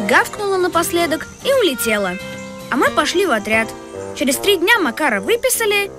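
A woman narrating a children's audio tale in the first person, in a brisk storytelling manner. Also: high voice. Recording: music bed under the voice.

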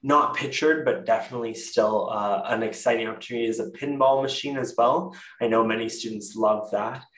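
A man's voice: mid-range voice, fairly quick, hardly any pauses, fairly bright tone. Canadian man presenting over a roomy call. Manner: casual, self-correcting with frequent fillers. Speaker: university presenter. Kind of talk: virtual info session presentation. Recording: echoey room, distant mic.

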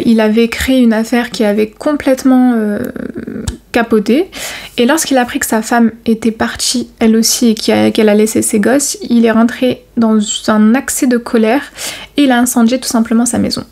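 A woman recounts a true crime case for her viewers. Her voice sits a little high, and she talks casually, with frequent hesitations and slangy asides. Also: a little mellow. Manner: chatty and informal, many fillers and slang. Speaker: YouTuber telling a true crime story.

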